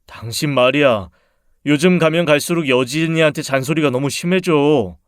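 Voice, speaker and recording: A man's voice: fairly high pitch, normal speed, smooth, no room sound, clean studio sound, lightly acted. A man voicing a resentful, tipsy husband in a dramatized radio story, speaking in a reproachful, accusing way.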